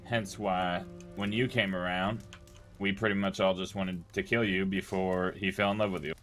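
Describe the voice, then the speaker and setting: Man playing a lower-pitched, laid-back western outlaw herbalist. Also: flat delivery, moderate pace, fairly bright tone, soft background music. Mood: matter-of-fact. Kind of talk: casual in-character campfire storytelling.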